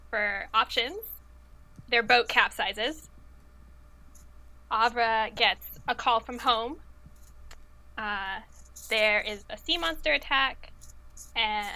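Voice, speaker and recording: A woman with a bright, fairly high voice and plenty of vocal fry hosts a quiz. She talks casually and hesitantly, reworking her explanations as she goes. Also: poor audio. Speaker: story editor acting as trivia quizmaster. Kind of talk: casual, unscripted quiz hosting. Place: indoors on an online video call.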